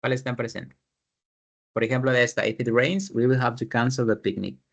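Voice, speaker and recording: A man's voice: mid-range voice, steady tone, fairly quick, vocal fry. A man teaching an English class, explaining grammar in Spanish, repeating his students' sentences and asking guiding questions.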